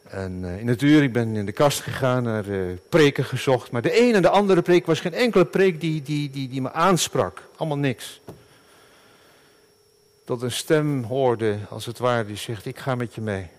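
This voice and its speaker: A middle-aged man, a pastor, preaching a sermon in an earnest, halting way with many fillers and restarts. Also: mid-range voice.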